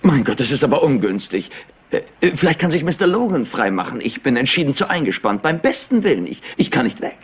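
An actor playing an evasive, high-strung young business heir in a German crime radio play, smooth-talking and impatient. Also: male voice, big pitch swings, fast talker. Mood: nervous, hurried. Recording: noisy retro radio play.

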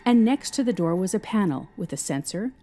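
A woman's voice: mid-range voice, animated, a little fast, dark tone. A woman narrating a scripted story as the narrator of an audio drama.

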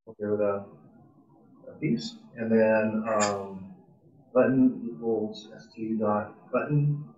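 A man's voice: lowish voice, steady tone, slow, a little mellow, a little hiss or hum. Distant, echoey man teaching coding informally. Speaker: presenter at a robotics club meetup. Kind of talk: informal live coding tutorial. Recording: distant, roomy, muffled meeting-room sound.

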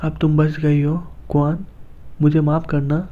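A man voicing a fierce young man who threatens coldly and protects a woman he cares for, read in a flat, even way. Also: on the high side, measured pace, close to an everyday voice. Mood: gentle comfort. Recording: dull lo-fi recording.

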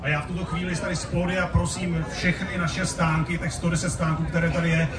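30s guy opening an outdoor event, highish voice, echoey and noisy. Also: little pitch movement, a loud crowd. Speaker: festival speaker. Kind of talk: opening public address. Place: open-air covered festival stage. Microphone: stand mic through PA, recorded from audience. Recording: noisy, echoey stage PA from far off.

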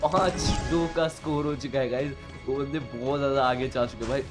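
A young man with a sore throat, commentating his own gameplay in Hindi-accented speech, yelping when surprised and otherwise keeping his voice low. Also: a little fast. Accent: Indian Hindi. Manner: excitable, yelps loudly when surprised, speaks softly to spare his throat. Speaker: gaming YouTuber. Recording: game music and gunfire behind.

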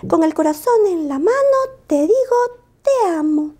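Eager little wolf boy, a woman doing the voice for a storybook, squeaky and bouncy. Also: a little slow. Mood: hopeful. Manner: excitable, eager. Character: eager young male wolf cub.

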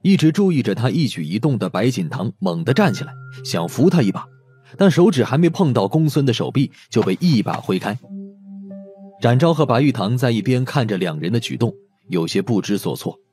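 Expressive male story narrator over music. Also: medium pitch, a little fast. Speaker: audiobook narrator. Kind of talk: scripted dramatic story narration. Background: background music.

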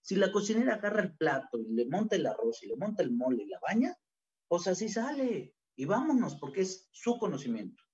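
A man's voice: sits high, very animated, brisk, darkish tone. A man with a Mexican accent giving an informal, colloquial conference talk on gastronomy research, acting out quoted voices as he goes. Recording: dull lo-fi recording.

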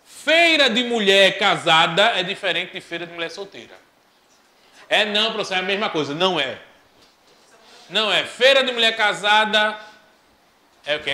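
A male Portuguese teacher giving a lively, joking grammar lesson that poses questions and then answers them. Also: high voice. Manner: animated, joking, asks himself questions.

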